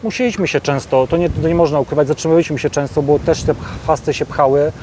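A man hosting a casual interview outdoors in a farm field, talking in a halting way with many filler sounds. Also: a little high, steady tone, a little mellow, a little hiss or hum. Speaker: host.

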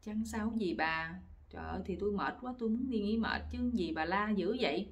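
A woman's voice: mid-range voice, brisk, close to an everyday voice. A woman voicing a tired older husband making excuses. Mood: weary. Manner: plaintive, mumbling excuses.

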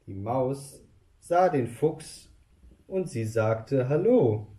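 Male kindergarten teacher, unhurried storyteller; warm dark tone in a roomy space. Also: medium pitch, expressive. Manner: slow, deliberate storytelling. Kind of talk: reading a picture book aloud. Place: kindergarten room. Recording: roomy echo.

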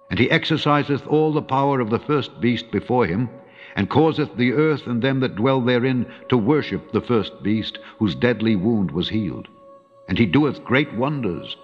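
Solemn low-voiced man reading scripture. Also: slightly rough. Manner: measured, solemn delivery, slowing for emphasis and rising when quoting angels. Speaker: Bible reader. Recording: dull long-reverb recording over soft music.

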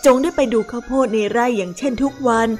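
High-pitched woman telling a children's story. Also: expressive, quick pace. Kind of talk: storybook narration for young children. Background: music.

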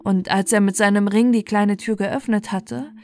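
A woman's voice: medium pitch, fairly even intonation, normal speed, mellow, faint music behind. A woman reading a scripted bedtime fairy tale as its narrator.

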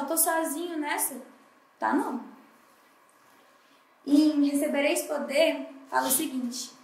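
A woman's voice: very high voice, distant mic. A woman with a Brazilian Portuguese accent giving a heartfelt morning devotional sermon at a church congress, voicing her own prayers as she speaks. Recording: roomy hall, voice a bit off the mic.

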